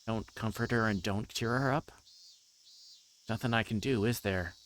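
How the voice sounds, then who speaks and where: A man livestreaming a visual novel, reading story text aloud and adding halting, informal asides. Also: fairly low pitch, a bit bright. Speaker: streamer playing a visual novel. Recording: clear background noise, insect-like ambience.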